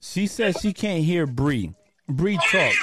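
A man hosting a casual sports chat, talking in an animated, slangy way and often repeating words. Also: fairly high pitch, takes it slowly, very noisy. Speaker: podcast host.

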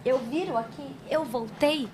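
Woman podcast guest, really high voice, laughs a lot, acts out the quotes in her stories. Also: measured pace. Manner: laughing, expressive storyteller who acts out quotes. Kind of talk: casual podcast chat.

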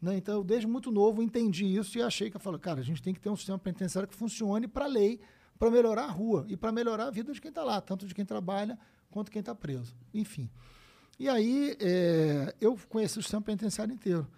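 Fast-talking man. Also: high-pitched, gravelly. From Brazil. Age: 50s. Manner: animated storyteller, frequent swearing and "né?" tags. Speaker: guest. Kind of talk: casual podcast conversation.

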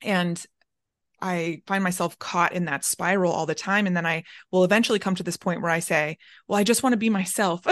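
A woman interviewing an author, talking casually with lots of "like" and "um" and giving soft agreement sounds while her guest speaks. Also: fairly low pitch, fairly even intonation, a little fast, no room sound, studio quality. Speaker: podcast interviewer. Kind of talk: conversational interview.

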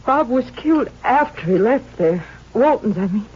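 An actress playing a grieving, gracious sheriff's widow, gentle, folksy and hesitant, in 1950s radio drama style. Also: female voice, on the high side, expressive, normal speed, a little hiss or hum, close to an everyday voice. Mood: sorrowful. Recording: dull vintage 1950s radio recording.

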